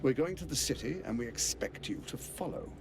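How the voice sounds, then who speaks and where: An actor playing a suave, sardonic scheming tyrant in a video game, with polished, goading delivery. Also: male voice, mid-range voice, animated, fairly quick, lightly acted. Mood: cool threat. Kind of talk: video game villain acting. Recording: loud background noise.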